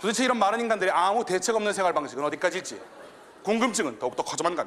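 Over light background noise, a man talks in a high voice with ordinary pitch variation. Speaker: comedian playing a researcher. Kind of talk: comedy sketch monologue, mock lecture. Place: stage. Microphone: lapel.

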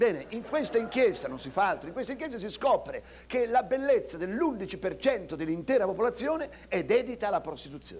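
Over light background noise, a man talks fairly quickly, with very wide pitch swings and big swings in loudness. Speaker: storyteller performer. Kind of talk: theatrical storytelling monologue. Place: stage.

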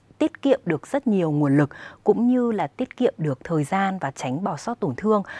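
The woman's dark, mellow tone carries very wide pitch swings, with a dry sound and no echo. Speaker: physician and researcher; TV guest. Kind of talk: TV interview. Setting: TV studio. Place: studio. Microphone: lapel.

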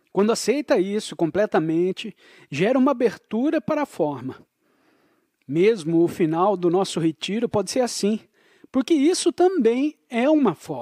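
A man with a high pitch, very wide pitch swings, and a dark, mellow, calm, soothing tone is heard in a dry, close sound with no echo, on a very clean recording with a silent background. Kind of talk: guided meditation. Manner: calm, slow, soothing.

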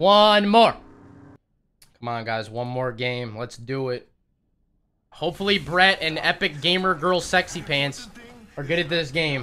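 A loud man with a bright, sharp tone speaks at a fairly slow pace, his intonation lively and broken by long, frequent pauses. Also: fairly high pitch for a man. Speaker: gaming YouTuber. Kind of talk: gameplay commentary. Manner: animated, loud. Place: home room. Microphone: headset.

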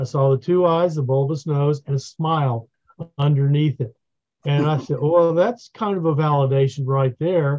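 A somewhat breathy man at a fairly high pitch, with ordinary pitch variation and a moderate pace. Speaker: guest. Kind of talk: casual chat. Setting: video call.

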